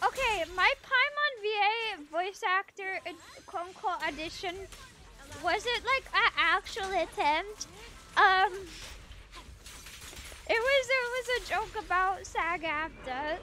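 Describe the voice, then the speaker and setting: A woman's voice: very high voice, expressive, slow pace, bright, forceful tone. A woman streaming a game and chatting playfully with her viewers, joking around as she plays. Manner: playful, joking, talking to chat. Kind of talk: casual gaming stream chat. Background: faint background music.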